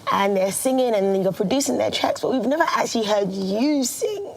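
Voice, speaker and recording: A woman's voice: medium pitch, lively intonation, a little fast, gravelly. A female music show host interviewing a guest, upbeat and playful in her presenting. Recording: noisy track with clicks.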